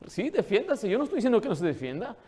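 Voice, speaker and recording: A man preaching a sermon as pastor, animated, asking the congregation questions and acting out the people he quotes. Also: high voice, fast talker, slightly rough. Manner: acts out quoted dialogue in changed voices.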